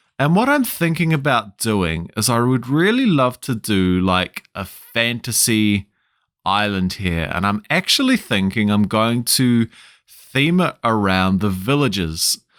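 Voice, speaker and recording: A man talks in a New Zealand accent with lively intonation at a fairly slow pace. The recording is very clean, with a silent background. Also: medium pitch for a man. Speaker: gaming video creator. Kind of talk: casual gameplay commentary.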